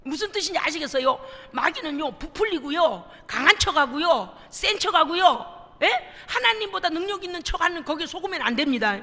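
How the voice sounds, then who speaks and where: A woman pastor preaching a lively sermon in a church, emphatic and often prompting the congregation for responses. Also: very high voice, brisk. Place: church sanctuary. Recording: long reverb of a church hall.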